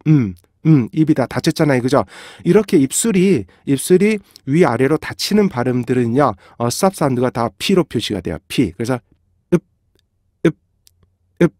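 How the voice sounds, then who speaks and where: Man, pronunciation teacher, lecture, dry close sound, slow repeated drills. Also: medium pitch, darkish tone, dry recording. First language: Korean. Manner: demonstrates sounds by repeating them slowly; checks in with listeners after points.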